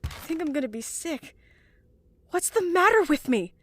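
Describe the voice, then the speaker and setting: A young woman playing an anxious, well-meaning student in an audio drama, earnest and given to halting, stammering speech. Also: extremely high pitch, big pitch swings, fairly bright tone, slight background noise, exaggerated voice. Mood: panicked, self-blaming. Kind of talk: audio drama acting, emotional monologue and dialogue.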